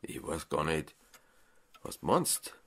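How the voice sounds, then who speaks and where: Stern, animated Bavarian farmer father. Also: extremely low pitch, slow, slightly rough, heavily acted. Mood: taken aback. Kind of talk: dialect audiobook drama acting.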